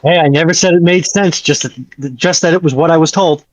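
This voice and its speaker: A man chatting casually as a livestream guest, pausing between phrases, heard on dull, close call audio. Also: on the high side. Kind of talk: casual chat.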